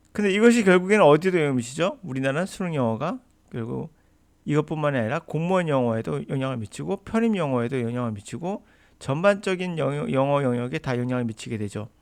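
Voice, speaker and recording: Man, English teacher lecturing, emphatic, argumentative, slightly high voice, lively pitch. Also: clear, resonant tone.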